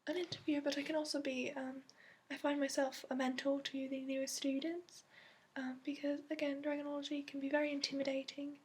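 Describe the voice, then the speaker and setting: Woman playing hushed, high-voiced fantasy dragon expert. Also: level tone, fairly quick, natural voice. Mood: gentle, encouraging. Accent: put-on. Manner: hesitant, gentle, meandering explanations with frequent fillers. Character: soft-spoken, patient female dragon expert interviewing a new student. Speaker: ASMR roleplayer. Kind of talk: ASMR roleplay, hushed and improvised.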